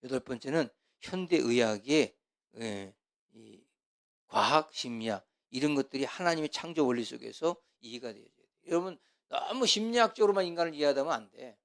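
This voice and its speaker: A middle-aged man teaching as a pastor in a casual, chatty way, with asides, and acting out quarrels in a loud voice. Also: mid-range voice. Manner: chatty, asides and laughs, acts out quarrels loudly. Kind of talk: casual church teaching talk.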